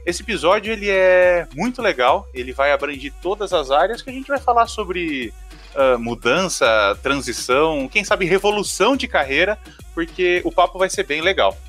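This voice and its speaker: A man's voice: high voice, animated, normal speed, a bit bright, soft background music. A man hosting a podcast who opens the show in an upbeat way and introduces the guests. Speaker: podcast host. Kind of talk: podcast opening.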